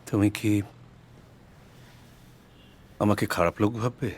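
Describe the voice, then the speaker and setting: A man's voice: on the low side, steady tone. An actor playing a wealthy, lonely man who speaks hesitantly as he asks for love. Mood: pleading. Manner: hesitant, halting. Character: rich, lonely older man pleading for love. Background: loud film score music.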